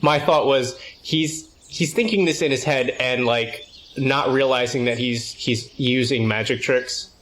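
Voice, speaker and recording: A man playing a tabletop game, haltingly thinking aloud as he improvises casually about his character. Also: mid-range voice, a bit bright, a little hiss or hum.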